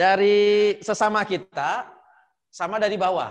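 A man speaks high for his sex, with ordinary pitch variation. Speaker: trainer presenting online. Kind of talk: lecture.

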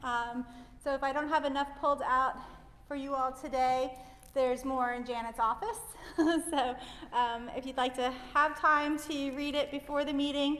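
This woman's voice sits high in pitch. She talks at a moderate pace with fairly even intonation. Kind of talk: announcements. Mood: friendly, light laughter. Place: church.

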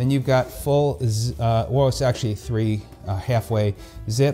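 Faint music sits in the background as a man speaks at a moderate pace with ordinary pitch variation. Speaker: product reviewer. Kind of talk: product review talk. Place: kitchen. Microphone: lapel.

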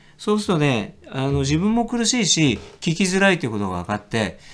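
A man's strained, put-on character voice, fairly high in pitch, with very wide pitch swings at a fairly quick pace. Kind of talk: casual livestream chat reading viewer mail. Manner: unstrained.

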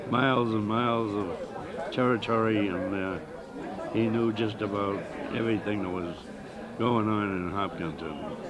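A man talks fairly slowly with noticeable background noise in the clip. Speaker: friend of the deceased. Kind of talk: memorial tribute. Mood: warm reminiscing. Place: hall. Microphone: handheld.

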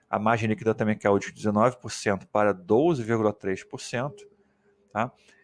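In a very clean recording with a silent background, a man with a fairly low pitch speaks at a very slow pace with ordinary pitch variation. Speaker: financial analyst and investment YouTuber. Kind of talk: tutorial. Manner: informal, frequent filler tags.

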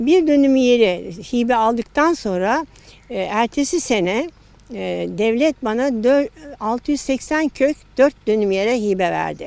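A woman with a fairly high pitch speaks at a very slow pace over noticeable background noise. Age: 80s+. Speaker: aronia farmer. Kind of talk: interview answer.

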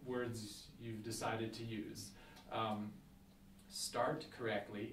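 A man's voice is heard with audible room echo. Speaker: trombone teacher. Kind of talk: lesson explanation. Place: classroom. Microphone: camera far.

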